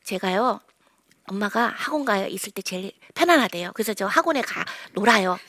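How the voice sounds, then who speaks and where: A woman's voice: expressive, a little fast. A middle-aged woman counselor giving a public talk, acting out quoted parents and teenagers with sudden shifts in tone. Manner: acts out quoted lines with sharp jumps in pitch. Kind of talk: public lecture to an audience.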